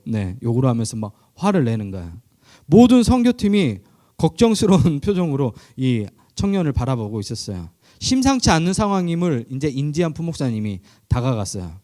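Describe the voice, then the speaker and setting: A man's voice: fairly high pitch, darkish tone. A Korean male pastor preaching to a youth group, telling stories in a conversational way and asking listeners questions. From South Korea. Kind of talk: sermon. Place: church, online youth service.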